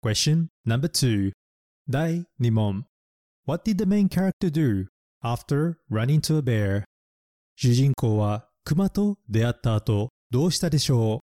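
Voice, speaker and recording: Slow, dark-voiced man teaching English words. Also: medium pitch, big pitch swings, no room sound, clean studio sound. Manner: spells words letter by letter and repeats them. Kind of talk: slow explanatory lesson narration.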